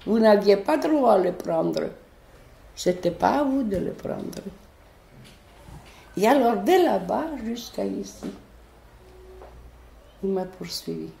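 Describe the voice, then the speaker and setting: A woman with a foreign accent, telling a personal story in an animated, hesitant way, full of restarts. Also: medium pitch, takes it slowly, gravelly, pauses often, slight background noise. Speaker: interviewee, neighbourhood resident. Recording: roomy echo.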